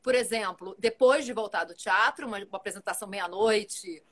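An actress in her forties joins a live video call as a guest from a home room filled with plants and shelves. Her mid-range voice is brisk, and she talks casually and animatedly, chatting freely and gesturing as she speaks.

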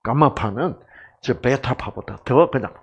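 Animated man giving a lecture. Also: mid-range voice, a little slow, breathy edge. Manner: asks the audience questions, acts out voices and cries. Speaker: health lecturer. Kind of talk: lively seminar lecture with jokes.

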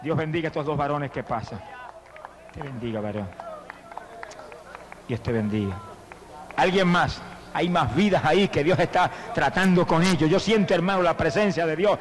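A male evangelist preaching a fervent sermon with an altar call, swinging from hushed tones to loud exclamations. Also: on the high side, moderate pace, pauses often, a little hiss or hum.

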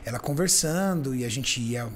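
A man's voice: medium pitch, moderate pace, a little hiss or hum. A man hosting a podcast, telling a story in casual chat and acting out the voices of the people in it. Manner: animated, acts out the voices in his stories. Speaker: podcast host.

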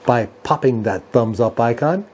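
A man in his sixties giving a measured, step-by-step software tutorial as the host of a hobby channel. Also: medium pitch, expressive, faint music behind. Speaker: host of a ham radio channel. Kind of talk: software tutorial and review talk to camera. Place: small indoor home radio workshop.

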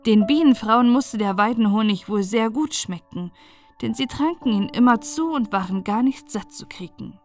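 A woman with a somewhat high voice narrates a scripted bedtime fairy tale. Her delivery is expressive and deliberate, the way an audiobook storyteller reads. Faint music plays behind her.

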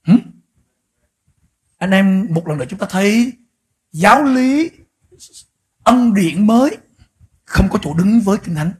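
A man preaching a sermon as pastor, swinging from quiet, slow stretches to loud, shouted peaks. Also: sits high, expressive, husky. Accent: Vietnamese.

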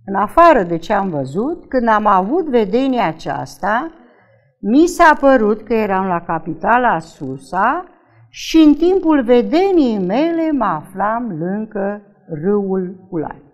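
A woman leading a Bible study lesson, reading verses aloud slowly and with emphasis, and quizzing her group with frequent questions. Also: mid-range voice, very animated. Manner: slow, emphatic reading of scripture.

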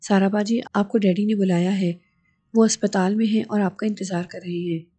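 A woman's voice: mid-range voice, steady tone, normal speed, warm tone, husky, lightly acted. A woman voicing an anxious younger brother on a phone call, with pleading, earnest delivery.

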